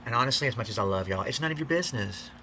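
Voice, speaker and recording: Male vlogger, campy and theatrical, forceful bright tone, confessional delivery, faint background noise. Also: medium pitch, animated, rapid-fire. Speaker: video blogger. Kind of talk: confessional vlog to fans.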